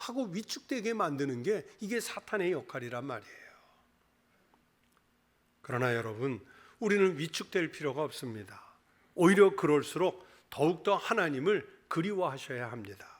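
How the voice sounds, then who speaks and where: Pastor, man, middle-aged; earnest sermon delivery in a high register, direct appeals to listeners. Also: big pitch swings, moderate pace. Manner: earnest preaching, repeated direct address to the congregation.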